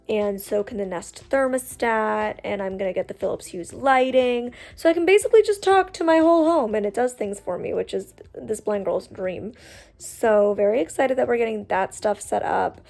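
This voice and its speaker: A woman's voice: mid-range voice, gravelly, a little mellow. A woman in her twenties, from Canada, chatting casually in a vlog, full of "like" and "um" fillers. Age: 20s. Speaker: vlogger. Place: at home, then a furniture store.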